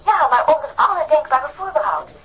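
A woman's voice: high-pitched, sing-song, fast, a bit bright, slight background noise. An actress playing a cooperative female pathologist who speaks in a precise, formal, cautious way, in radio drama dialogue.

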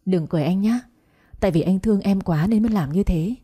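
A gentle, devoted young man speaks softly and reassuringly, as a woman reads him. The voice is mellow and warm, a little breathy. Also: medium pitch, fast talker, natural voice. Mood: tender.

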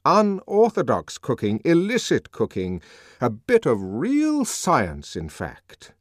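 A man voicing a powerful older controller who lectures in a measured, sardonic way. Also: medium pitch, wildly swooping pitch, no room sound, clean studio sound, voice pushed up, heavily acted.

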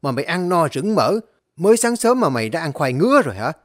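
A man voicing a hot-tempered older male landowner who scolds and shouts at a servant in a spoken story. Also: fairly high pitch, big pitch swings, quick pace, voice pushed up. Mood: furious.

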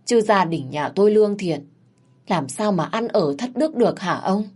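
A woman's voice: animated, moderate pace, darkish tone, slightly rough. A woman voicing a scheming middle-aged mother-in-law who wails and pleads her innocence in a tearful, wheedling voice. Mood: pleading innocence. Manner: tearful, wheedling, higher pitch.

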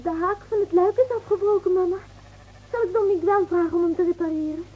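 A woman's voice: extremely high pitch, fairly even intonation, fast. An actress playing a naive, devout young shepherd girl in a radio play, earnest and full of questions. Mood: puzzled, plaintive. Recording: tinny, noisy old radio play recording.

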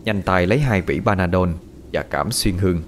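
A man reading a horror story aloud as a narrator, steady with lively intonation. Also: deep voice, normal speed, slight background noise. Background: faint background music.

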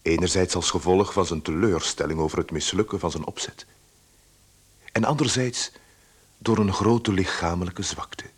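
A man narrating a radio drama from a script in a measured, literary manner. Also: sits low, breathy edge.

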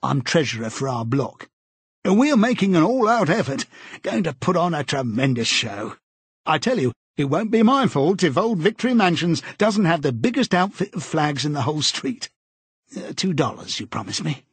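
Bluff, pushy busybody, voiced by a male narrator, husky, hearty, raised pitch. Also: big pitch swings, moderate pace, no echo, heavily acted. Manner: jovial, chummy, pushy. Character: bluff hearty middle-aged man, eager busybody.

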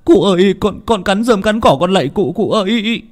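A man's voice: sits high, expressive, moderate pace, a little mellow, voice pushed up. A man voicing a poor, desperate young peasant who wails in anguish. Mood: begging. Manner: wailing, anguished.

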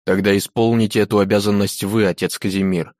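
A man voicing a stern high-ranking churchman giving curt orders. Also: flat delivery, brisk, darkish tone, dry recording, clean studio sound, lightly acted. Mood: strict. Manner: strict, curt.

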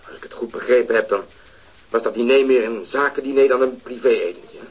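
An actor playing a patient, methodical police detective in a radio drama. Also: male voice, mid-range voice, fairly quick, husky, lo-fi sound, lightly acted. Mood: polite. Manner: polite, methodical questioning. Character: patient police detective, middle-aged man.

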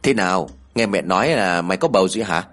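A short-tempered young village mother in a spoken ghost story, voiced higher and louder than the narration, snapping harsh scolds, as a male narrator acts her out. Her husky voice leaps and swings. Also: lively intonation, quick pace, soft background music. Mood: sharp.

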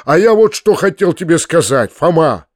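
An earnest, well-meaning uncle pleads in a raised, pitched-up voice, as a male reader plays him, tripping over every other word. The reading is dry and close. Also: big pitch swings, moderate pace, a little mellow, no echo. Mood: earnest, flustered. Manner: stumbling over words with hesitations.

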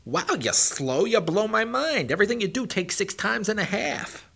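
A man voicing a boastful, fast male hare who mocks his neighbor. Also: high-pitched, sing-song, creaky, fairly bright tone, pitched above the performer's own voice, full character voice. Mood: mocking. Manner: mocking, brash.

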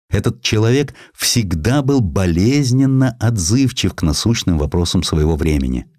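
A man with a low voice reads scripted historical prose as a narrator. His intonation moves widely and expressively, with a measured dramatic delivery. The recording is close and very dry. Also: a little mellow, no echo. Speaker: audiobook narrator.

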